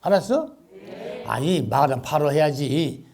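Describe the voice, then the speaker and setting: Animated older monk preaching. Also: male voice, on the high side, unhurried, slight background noise. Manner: animated, questioning the audience, laughing. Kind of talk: Buddhist dharma talk to a congregation.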